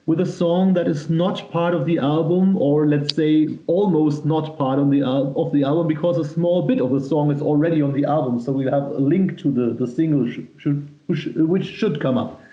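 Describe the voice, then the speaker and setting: A German-accented man chats as an interviewed musician, telling anecdotes with emphatic enthusiasm. His voice is fairly high for a man and soft-edged, relaxed in tone. The recording is dull and echoes with the room. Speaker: musician, power metal singer being interviewed. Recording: roomy echo, dull lo-fi sound.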